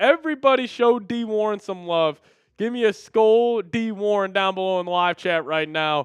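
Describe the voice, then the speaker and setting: Energetic in tone, a man speaks at a moderate pace. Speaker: sports YouTube host. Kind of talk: live stream sports talk. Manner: casual, energetic.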